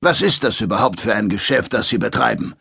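A man's voice: on the low side, lively intonation, brisk, gravelly, sharp tone, slightly rough, exaggerated voice. A man voicing a menacing, brutish alien soldier sergeant in an audiobook, speaking with a mocking drawl. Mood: sneering. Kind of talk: audiobook character voice.

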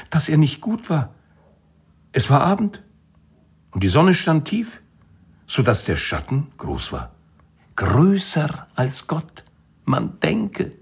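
A man reads a satirical essay for an audiobook with wry, expressive timing. His voice is low and husky, and its pitch rises and falls a great deal as he tells the story. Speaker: audiobook narrator.

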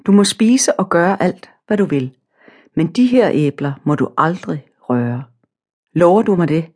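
A woman reading a storybook, voicing God as a patient, gently firm father figure. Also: lowish voice, expressive. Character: calm fatherly male God.

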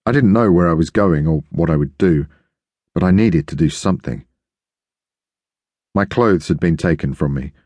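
Deep, dry male narrator, steady first-person audiobook reading. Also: no echo. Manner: measured, steady storytelling.

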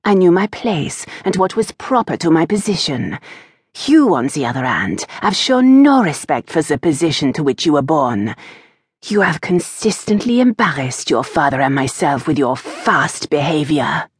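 A woman voicing a stern, proper aristocratic mother who lectures her daughter with sharp disapproval. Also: low-pitched, big pitch swings, moderate pace, breathy edge, no room sound, studio quality, heavily acted.

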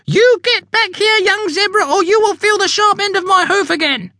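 A man's voice: very high voice, moderate pace, sharp tone, dry recording, clean studio sound, voice pushed up, exaggerated voice. A man voicing a bossy mother zebra in a storybook reading, scolding her son.

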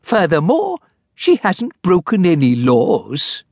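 A nervous little gnome-like clerk, pedantic and apologetic, as a man puts him on in a thin, raised voice that jumps up high. He talks slowly and carefully, in a dry, close sound. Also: huge pitch swings, creaky, a little mellow, dry recording, full character voice. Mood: persisting. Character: fussy timid little male gnome-like clerk.

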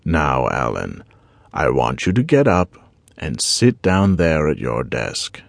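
A cold, controlled intruder, as a male narrator puts him on, speaking slowly and quietly with open menace. The voice sits very low and heavy, recorded close and dry with no room around it. It belongs in a dark audiobook thriller. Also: sing-song, vocal fry, no echo, full character voice. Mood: menacing. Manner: slow, quiet and threatening.

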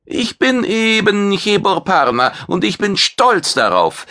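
A male narrator voicing a proud, boastful horned and furry alien cook with hard, clipped speech, pitched higher and louder than his narration. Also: sing-song, slow, exaggerated voice. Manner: boastful, blustering.

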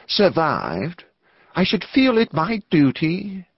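A man voicing a nervous, excitable clergyman in an audiobook, hesitant and emphatic, in a slightly dull recording. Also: mid-range voice, normal speed, husky, no echo, pitched above the performer's own voice. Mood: grave, intense. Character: nervous, excitable clergyman with truculent fierce energy. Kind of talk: audiobook character acting.

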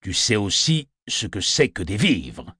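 A slow, threatening rough convict, put on by a male narrator of a storybook reading. The voice sits low and is recorded dry and close. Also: big pitch swings, sharp tone, no echo, full character voice. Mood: menacing. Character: menacing rough male escaped convict, middle-aged.

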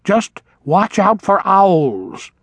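A man's voice: high voice, very animated, extremely slow, fairly bright tone, no room sound, studio quality, pitched above the performer's own voice, heavily acted. A man voicing an elderly, nearsighted male vole who is fussy, apologetic and old-fashioned in speech. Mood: proud. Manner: flustered, polite, old-fashioned phrasing. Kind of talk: audiobook character voice.

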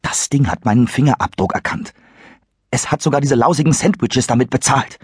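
A man's voice: medium pitch, a little fast, slightly rough, dry recording, studio quality, voice pushed up. A man voicing a jittery teenage runaway boy. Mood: anxious. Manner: anxious, insistent. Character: nervous teenage boy on the run.

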